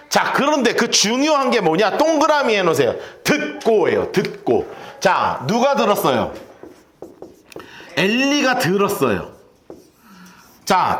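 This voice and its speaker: Animated male pastor teaching scripture. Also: high-pitched, a little hiss or hum. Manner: lively, colloquial, acts out scenes. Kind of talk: Bible study sermon. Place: church.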